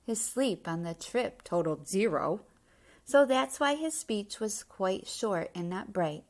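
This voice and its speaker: A woman reads a children's storybook aloud in an expressive, emphatic rhyming delivery, pausing for explanatory asides. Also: mid-range voice.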